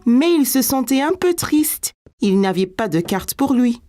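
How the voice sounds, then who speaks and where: A woman playing the gentle storyteller of a preschool cartoon, reading scripted narration. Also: sits high, very animated, unhurried, music in the background. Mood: gentle storytelling.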